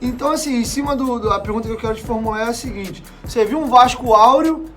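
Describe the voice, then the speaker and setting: A man's voice: extremely high pitch, quick pace, fairly bright tone, soft background music. A man in his twenties from Brazil, a channel host asking long, rambling, chatty questions in a casual interview. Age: 20s.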